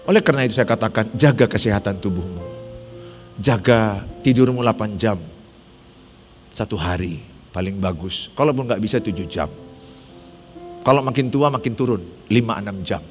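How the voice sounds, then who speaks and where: A male pastor, preaching a lively, joking sermon that acts out the people he talks about. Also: fairly low pitch. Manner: animated, joking, mimics congregants. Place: large church hall. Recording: long hall reverb with faint music.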